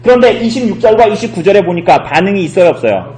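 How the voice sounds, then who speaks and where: A man's voice: high voice, fast, echoey room, poor audio. A man leading a church Bible study, asking his listeners questions and acting out the quotes he reads. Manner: lively, asks the congregation questions and acts out quotes. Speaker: pastor. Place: church hall.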